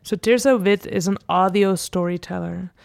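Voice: mid-range voice, moderate pace, creaky, dry recording, studio quality. A podcast host giving an earnest, informative introduction. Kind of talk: spoken introduction.

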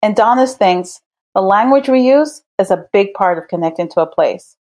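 A woman from Jamaica, narrating a scripted documentary as host in a measured, reflective way. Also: mid-range voice, expressive, darkish tone.

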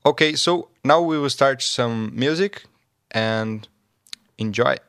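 A young man from Brazil, hosting a casual radio show in halting, English. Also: mid-range voice, fairly bright tone, clear, resonant tone, no room sound, clean studio sound. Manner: halting non-native English with pauses.

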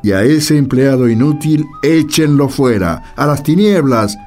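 An actor playing a stern master in religious radio theatre, solemn, deliberate and emphatic. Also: male voice, mid-range voice, lively intonation, a little mellow, faint music behind, lightly acted. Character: stern master rebuking a lazy servant, solemn parable reading.

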